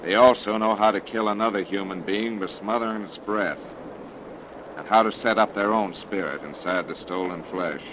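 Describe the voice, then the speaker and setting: A man playing a deep, calm radio hero. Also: normal speed, close to an everyday voice. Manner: calm, folksy, explanatory. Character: steady, wry male investigator hero. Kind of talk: 1930s radio drama acting. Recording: hissy 1930s radio recording.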